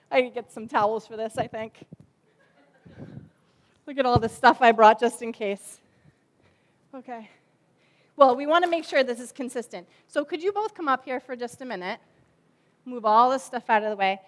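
A woman's voice: a little high, fairly bright tone. Chatty woman giving a church object lesson. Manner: chatty, self-deprecating, lots of fillers. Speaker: children's ministry director. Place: church sanctuary stage.

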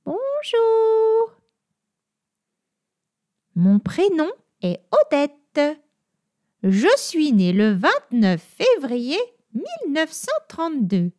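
A woman's voice: high-pitched, huge pitch swings, extremely slow, pauses often, a little mellow, voice pushed up, full character voice. A woman voicing an elderly retired grandmother who introduces herself cheerfully and chattily for a language lesson. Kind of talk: scripted language-lesson role play.

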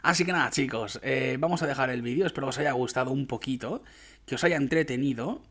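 A young man from Spain with a Spanish accent, commenting his own gameplay in an excitable, chatty way with frequent laughs. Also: mid-range voice, quick pace. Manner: excitable, laughs often, chatty asides to viewers. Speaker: gaming YouTuber.

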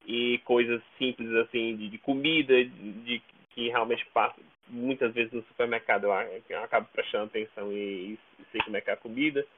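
A man with a Brazilian accent talks over a thin, phone-like connection. His pitch is ordinary and his delivery is halting, with repeated words. It sounds like a casual interview answer. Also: steady tone, slight background noise. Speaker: podcast guest. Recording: narrow, tinny phone-like call audio.

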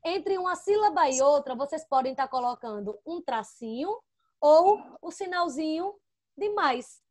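A woman's voice: high-pitched, lively intonation, darkish tone. A woman teaching an online class to young children, patient and coaxing. She uses lots of diminutives and checks in often. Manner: fond of diminutives, spells out syllables slowly. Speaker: first-grade teacher. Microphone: computer microphone, with headphones.

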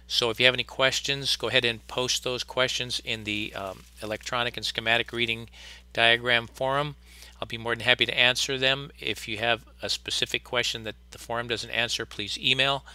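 A man's voice: medium pitch, fairly even intonation, fairly quick, bright, forceful tone, clean tone. A man giving a practical online HVAC lesson, explaining a wiring diagram in a plain, easygoing way with many fillers. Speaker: HVAC instructor. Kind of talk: online training lecture.

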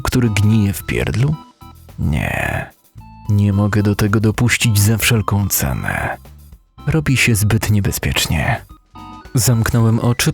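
A man narrating a dark first-person story as a dramatic, brooding audiobook reader. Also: fairly low pitch, creaky. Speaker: narrator (lektor).

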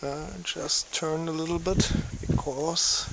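A man, reviewing his outdoor gear in a casual, halting way with many fillers, filmed outdoors by a lakeshore on a camera held at arm's length. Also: a little high, little pitch movement, vocal fry. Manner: halting, many fillers, simple non-native phrasing. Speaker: outdoor channel host. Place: outdoors on a lakeshore in light rain. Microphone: handheld camera at arm's length. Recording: faint rain and outdoor noise.

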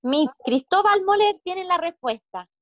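Brisk woman calling on students. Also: very high voice, expressive, no room sound. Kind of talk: online class. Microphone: video call.

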